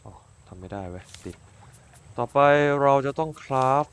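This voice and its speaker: A man doing casual let's-play commentary, cursing freely, bursting out excitedly and talking to his game character like a friend. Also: medium pitch, normal speed. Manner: crude, swears a lot, excitable outbursts; talks to his game character as if to another person. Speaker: gaming YouTuber.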